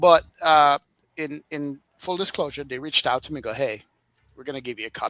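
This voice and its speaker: A man with a Jamaican accent talks at a fairly quick pace, his fairly high pitch showing ordinary variation and big swings in loudness. His tone is bright and sharp, and the sound is dry and close with no echo. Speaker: flight sim streamer. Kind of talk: casual chat. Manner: animated.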